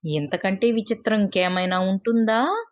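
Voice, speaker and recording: A woman's voice: mid-range voice, lively intonation, moderate pace, close to an everyday voice. Woman as a wise old storybook grandfather. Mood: knowing. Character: wise old grandfather telling a cautionary tale.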